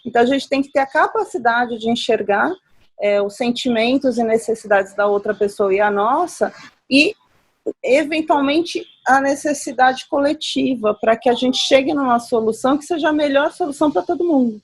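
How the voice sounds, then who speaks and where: A woman speaking as a guest in a conversational talk, reflective and growing animated when she acts out examples. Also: sits high, normal speed, breathy edge. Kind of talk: conversational talk on nonviolent communication.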